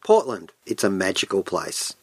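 A man's voice: low-pitched, wildly swooping pitch, moderate pace, slightly rough, no room sound. A man hosting a radio show alone, chatting enthusiastically in a geeky, rambling way with frequent asides. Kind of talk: chatty solo radio monologue. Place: radio studio.

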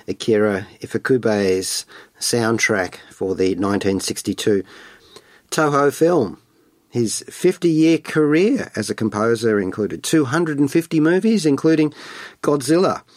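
A man presents scripted film and music commentary as a radio host. His voice sits at an average pitch and is recorded very dry. His delivery is wordy and playful, full of colloquial flourishes. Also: animated, measured pace, darkish tone, no room sound.

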